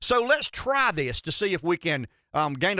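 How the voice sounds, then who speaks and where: A man with an American accent has a bright, sharp tone, recorded dry and close with no echo in a very clean recording with a silent background. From US South, rural South Carolina (Pamplico). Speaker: podcast host, former politician. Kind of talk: political commentary monologue. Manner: halting, many filler words.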